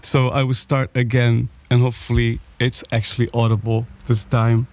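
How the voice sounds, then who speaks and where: A man's voice: medium pitch, little pitch movement, moderate pace, darkish tone. A man apologizing for technical trouble before restarting, hesitant and apologetic.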